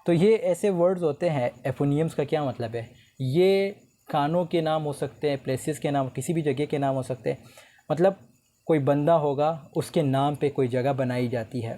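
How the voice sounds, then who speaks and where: A man giving a recorded lecture, reading English definitions slowly and explaining them in a relaxed conversational way. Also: mid-range voice. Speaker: teacher.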